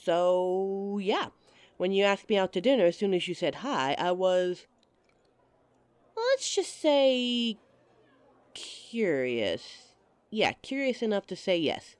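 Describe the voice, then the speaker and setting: Speaking slowly with long pauses, a woman with a mid-range voice plays the listener's date in an audio roleplay. She's a voice actress who is very animated, friendly, teasing and giggly, laughing frequently, and the recording has no echo.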